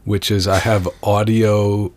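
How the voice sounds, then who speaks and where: Very low-voiced man telling stories. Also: takes it slowly, a little hiss or hum. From Connecticut, USA. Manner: relaxed, rambling with many fillers and restarts. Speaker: guest. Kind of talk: casual storytelling interview. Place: trailer with wind and flags outside.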